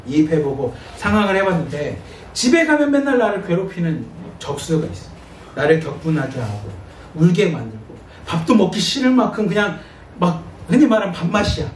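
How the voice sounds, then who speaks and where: A male pastor giving a sermon and reading scripture, talking in a conversational, animated way. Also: sits high. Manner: conversational, animated preaching with acted-out asides. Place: church sanctuary. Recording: echoey church, distant mic, faint noise.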